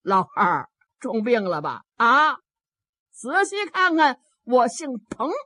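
A woman's voice: on the high side, very animated, slow pace, sharp tone, no echo, studio quality, exaggerated voice. A woman voicing a burly middle-aged male Taoist priest, stern and commanding, in a told story. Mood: gruff.

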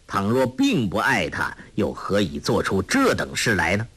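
A man voicing a gentle, grave old monk who speaks in a measured, soft way, in a storybook reading. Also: fairly low pitch, huge pitch swings, slightly rough, full character voice. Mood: stern.

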